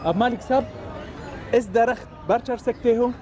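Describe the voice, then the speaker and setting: A man's voice: very high-pitched, a little slow, dark tone, a faint crowd, slight background noise. A man acting short question and answer drills with a teacher, repeating each line. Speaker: teaching partner in dialogues. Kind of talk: acted dialogue drills.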